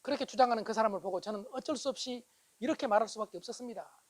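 A middle-aged man lecturing at a rapid clip with a high voice. He drives his points home by asking the room whether they agree, swinging between loud bursts and hushed asides. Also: poor audio. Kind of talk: animated public lecture. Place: lecture hall.

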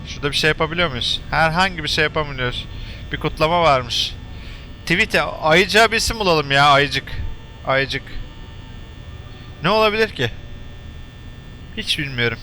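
Guy playing a scary game and chatting away, bright kinda high voice, little bit of hiss. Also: normal speed, pauses often. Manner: chatty, jokey, shouts and curses when startled. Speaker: gamer playing a horror game. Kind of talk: let's play commentary.

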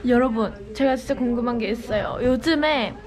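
High-voiced playful young woman, backstage. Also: normal speed. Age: young adult. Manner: playful, teasing, giggly. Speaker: idol group member. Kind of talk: casual backstage vlog. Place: backstage waiting room. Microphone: headset mic, handheld camera.

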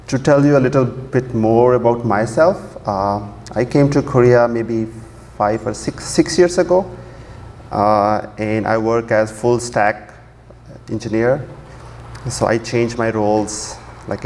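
A man's voice: medium pitch, a little slow, a little hiss or hum. Man in a hall. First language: Urdu. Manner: relaxed, many fillers and restarts. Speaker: conference speaker. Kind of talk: technical conference talk. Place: large dark auditorium, at a podium. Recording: long hall reverb, faint ambience.

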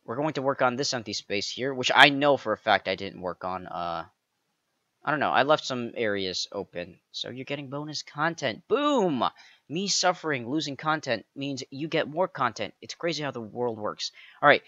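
A man narrating a step-by-step game building tutorial, counting blocks aloud with playful jokey asides and a slightly raspy voice. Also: mid-range voice, pushed and bright, no echo, dull audio. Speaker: pixel art tutorial creator.

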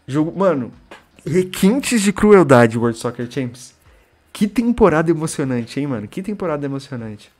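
A young man with a Brazilian Portuguese accent, giving slangy live commentary on a game stream, chatting with viewers and erupting into shouts. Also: a little high, big pitch swings, normal speed, faint music behind.

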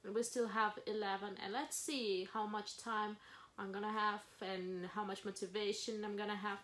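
A woman's voice: mid-range voice, flat delivery, moderate pace, a bit bright. Young Ukrainian woman, native Russian speaker. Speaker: vlog co-host. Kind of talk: casual chat. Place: living room sofa, indoors. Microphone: camera in front of a couch.

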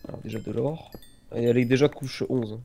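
A man's voice: medium pitch, fairly even intonation, fairly quick, gravelly, dark tone. A man, chatting and joking casually while playing a game. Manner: chatty, jokey, gives gear advice. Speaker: let's play co-host. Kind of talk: casual gaming chat.

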